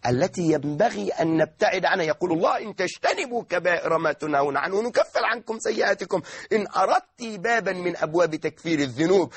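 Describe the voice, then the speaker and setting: A man preaching a sermon in an Egyptian Arabic accent, impassioned, now soft, now shouting. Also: a little high, breathy edge, no echo.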